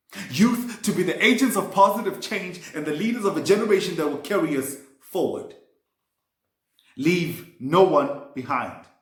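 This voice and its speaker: A man with a high pitch speaks at a fairly slow pace with lively intonation, and room echo is audible. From Eswatini. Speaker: spoken word artist. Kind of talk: spoken word performance.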